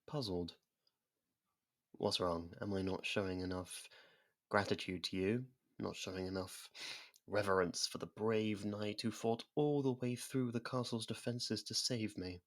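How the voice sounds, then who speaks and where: A performer voicing a sadistic, centuries-old vampire in an ASMR roleplay, theatrical and mocking, slipping into slow whispers. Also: sits low. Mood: exasperated, bored.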